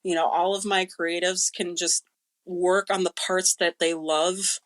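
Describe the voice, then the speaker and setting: Woman guest on a podcast, slightly low voice, talks candid and emphatic. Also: flat delivery, measured pace. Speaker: creative director of a podcast, guest. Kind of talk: casual interview chat.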